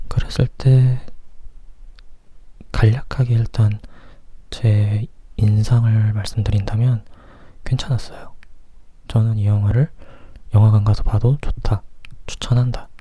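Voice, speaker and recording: A man from South Korea whispering softly and close to the mic in an informal ASMR movie chat, sometimes thinking aloud. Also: fairly low pitch, little pitch movement, unhurried, pauses often, husky, dry recording. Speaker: movie review host. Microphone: close microphone.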